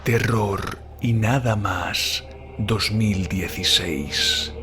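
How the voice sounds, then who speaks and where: Male credits announcer, low voice, extremely slow delivery, light music behind. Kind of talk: slow scripted radio serial announcement.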